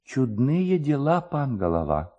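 A man's voice: medium pitch, big pitch swings, unhurried, warm tone, muffled recording. A man voicing a skinny, fawning, indignant village clerk with a singsong, complaining manner in a dramatised story. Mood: deferential.

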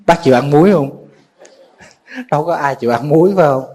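A man's voice: a little high, fairly quick, a little mellow. A man with a Southern Vietnamese accent, a Buddhist monk giving a folksy sermon to a live audience, often asking his listeners questions.

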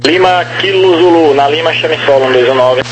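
Over a noisy radio with mains hum, a man gives procedural air traffic control instructions on aviation radio. His voice is fairly high and fairly quick.

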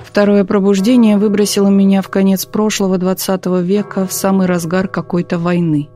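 A woman narrating a literary audiobook in a calm, measured reading style. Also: medium pitch, faint music behind. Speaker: audiobook reader.

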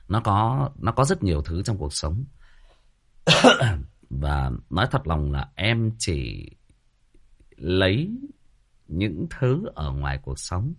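A man with a Northern Vietnamese accent hosting a casual livestream, chatty, with many fillers and repeated words. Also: sits low. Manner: chatty, full of fillers and repetition. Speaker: livestream host, storyteller.

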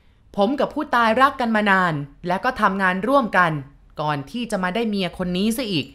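A woman voicing a drunk, hot-headed male newspaper reporter who declaims loudly and slowly. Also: mid-range voice, animated, voice pushed up. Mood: aggrieved. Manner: loud, slow declaiming.

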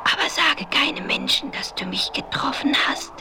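A woman playing a deranged, dreamy Native American woman in an audio drama, halting and slipping into whispers. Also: high voice, animated, music in the background. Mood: dreamy, secretive. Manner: halting, entranced, breaking into whispers. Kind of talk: 1970s German audio drama acting.

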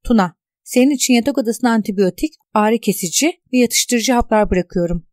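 A woman reading the calm, reassuring note of a caring young woman in an audiobook. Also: on the high side, brisk, no echo, studio quality, natural voice.

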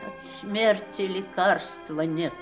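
Actress as a bitter, anguished wife, slow delivery. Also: female voice, mid-range voice, music in the background, close to an everyday voice. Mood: despairing. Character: bitter, wounded ageing wife of a dying famous man. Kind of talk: theatrical Russian radio drama acting.

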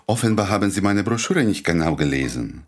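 An actor playing an idealistic Jewish doctor and inventor in a radio play, speaking courteously and earnestly with gentle irony. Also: male voice, deep voice, big pitch swings, brisk, background noise. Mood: explaining firmly.

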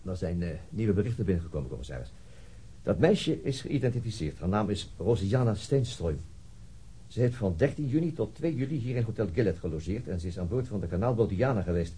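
An actor playing a dogged, weary male police detective in a Dutch radio drama, speaking haltingly. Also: on the low side, animated, dark tone, husky. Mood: cautious, formal. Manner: hesitant, halting.

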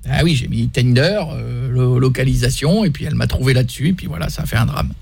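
A man's voice: medium pitch, fast, creaky, a little mellow, breathy edge. A man who hosts a radio show, teasing a couple on a prank phone call while posing as an old friend.

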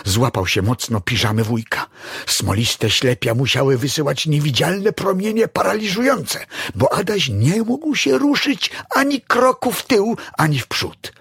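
A man reading a story aloud in a dramatic, expressive style. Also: medium pitch, measured pace, vocal fry, slightly rough, dry recording, studio quality. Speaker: narrator. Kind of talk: audiobook story narration.

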